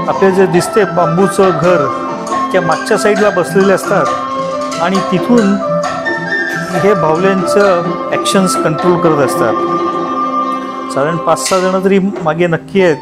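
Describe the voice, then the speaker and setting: High-voiced man over loud music. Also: steady tone, measured pace, pauses often. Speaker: travel vlogger. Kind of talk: unscripted vlog voice-over narration. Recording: loud instrumental music behind voice. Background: loud music with instruments.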